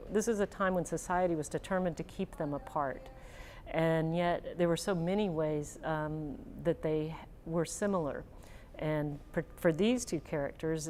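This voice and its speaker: A woman's voice: low voice, darkish tone, slight background noise. A woman speaking reflectively as an author in an interview. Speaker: novelist being interviewed.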